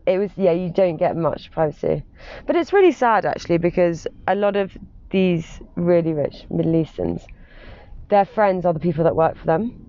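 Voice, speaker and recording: A man's voice: sits high, expressive, moderate pace, clear, resonant tone, muffled recording. A British man chatting casually as an interview guest, telling anecdotes in a gushing, emphatic way. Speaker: interview guest, former personal assistant to wealthy clients.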